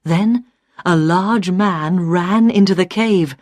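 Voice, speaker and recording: Sex: woman. Role: narrator. Style: slow, clear storybook reading for learners. Pitch: low-ish. Sound: dry. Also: a little mellow, no echo. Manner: clear, careful, deliberate reading.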